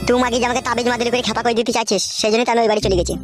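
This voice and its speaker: Man as a brash, fast-talking cartoon son. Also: extremely high pitch, little pitch movement. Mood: cocky. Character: cocky, defiant grown son leaving home. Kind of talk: comedy cartoon dialogue. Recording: music behind the voice.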